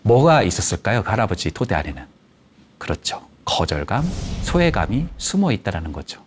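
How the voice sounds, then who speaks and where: 생동감 있게 이야기하는 남성 강연자. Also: male voice, lowish voice, fairly quick, slight background noise. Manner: animated storytelling, acting out quoted voices. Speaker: counselor and lecturer. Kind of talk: lecture with acted anecdotes. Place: lecture studio.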